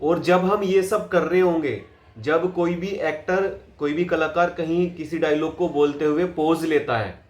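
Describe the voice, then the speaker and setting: A man giving an acting lesson, talking deliberately and demonstrating a line with different pauses and stress. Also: fairly high pitch, steady tone, roomy sound. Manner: slow, deliberate, repeats lines with varied pauses and stress. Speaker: acting teacher.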